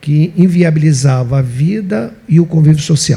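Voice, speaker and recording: A man's dark, mellow voice with audible room echo. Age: 70s. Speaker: surgeon and professor. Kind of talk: lecture. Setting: conference.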